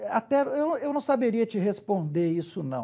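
Against a quiet background, a man speaks at a fairly slow pace. His dark, mellow tone carries lively intonation. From Belo Horizonte, Minas Gerais, Brazil. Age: 70s. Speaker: singer-songwriter and lawyer; lawyer. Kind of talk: casual talk show chat. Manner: halting, repetitive. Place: studio. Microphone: lapel.

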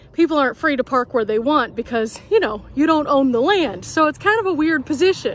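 Lively in intonation, a woman speaks at a moderate pace in dry sound with no echo. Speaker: van life vlogger. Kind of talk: casual vlog chat. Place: open country. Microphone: phone near.

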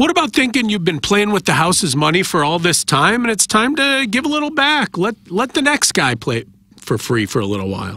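A man projects a raised voice with a bright, sharp tone and a high pitch. He talks at a fairly quick pace, and his pitch swings very widely. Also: dry sound with no echo. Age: 50s. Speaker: sports radio co-host; radio show host. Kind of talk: casual chat. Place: studio. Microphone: studio mic.

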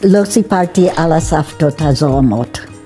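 Ordinary pitch variation over faint background music. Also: woman. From United States. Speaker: peace activist. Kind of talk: interview answer. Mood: calm, earnest. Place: kitchen. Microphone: lapel.

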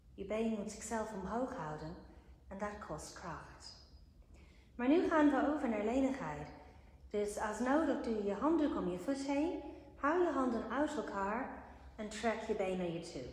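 A woman speaks at a fairly slow pace and a fairly high pitch, with a calm tone and lively intonation. Room echo is audible. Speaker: yoga instructor. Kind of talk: guided exercise class. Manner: instructional, calm. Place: gym.

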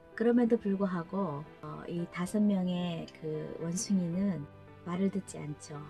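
A woman talks at a moderate pace in a fairly low pitch with ordinary pitch variation. Her loudness swings widely, and faint music plays in the background. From South Korea. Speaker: storyteller. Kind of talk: reading aloud; book introduction. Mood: warm, playful. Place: home room.

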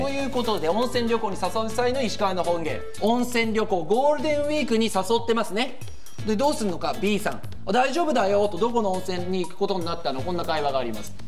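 Clear music plays in the background as the speaker goes at a fairly quick pace with lively intonation. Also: man, high pitch for a man. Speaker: TV presenter. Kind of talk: TV studio presenting. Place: studio. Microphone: lapel.

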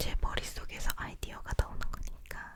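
The speaker is whispering at a fairly slow pace. Noticeable background noise is present. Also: woman. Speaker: ASMR YouTuber. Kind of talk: whispered chatty ASMR talk to camera. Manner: whispering, soft, intimate.

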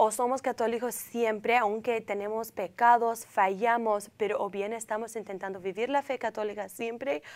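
Her pace is moderate with hardly any pauses. The woman's fairly high voice keeps a fairly even intonation. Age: young. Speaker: guest. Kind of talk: interview. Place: studio. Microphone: lapel.

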